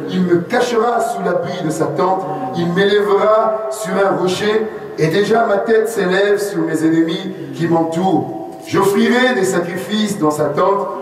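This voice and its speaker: A man with a high-pitched voice talks at a fairly slow pace with ordinary pitch variation. The room echo is audible, and there is light background noise. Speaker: preacher. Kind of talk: scripture reading. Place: church.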